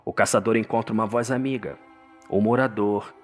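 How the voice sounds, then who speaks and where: Male Brazilian narrator, lowish voice, theatrical suspense for a dark fantasy audio drama, music underneath. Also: fairly even intonation, brisk. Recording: music behind the voice.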